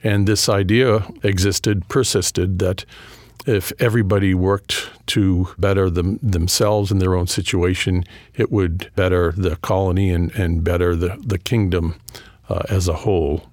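A middle-aged man with a New England accent, a history professor answering interview questions in a thoughtful, measured way with frequent fillers and restarts. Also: sits low, steady tone, darkish tone, no echo, clean studio sound. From New England, just outside Boston. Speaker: history professor and author, guest.

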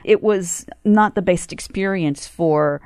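A woman interviewing a guest, asking slow, deliberate questions. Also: lowish voice, a little mellow, no echo, studio quality. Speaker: radio interviewer.

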